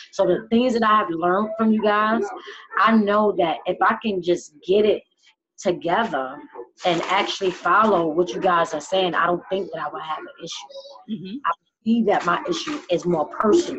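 A woman's lively intonation in a New York accent, at a moderate pace, over noticeable background noise. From Brooklyn, New York. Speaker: team member in a travel business. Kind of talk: video call Q&A. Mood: earnest, reflective. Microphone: video call.

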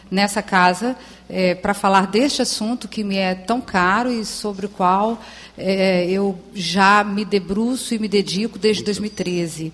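Fairly even intonation marks this woman's speech. She keeps to a fairly slow pace. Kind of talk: formal testimony. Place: hall. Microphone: handheld.

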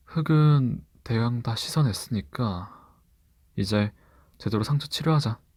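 A somewhat breathy man with a gentle, soothing tone, very slow pace, long, frequent pauses and ordinary pitch variation, on a very clean recording with a silent background. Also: medium pitch for a man. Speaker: voice actor / asmr creator. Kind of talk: asmr roleplay of a caring school nurse. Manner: gentle, soothing, coaxing, playfully teasing.

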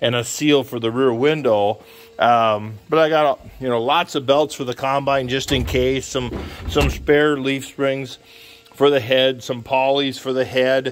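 A man speaks at a fairly slow pace with fairly even intonation over light background noise. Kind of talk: casual vlog chat. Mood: relaxed, chatty. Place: garage. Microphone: phone near.

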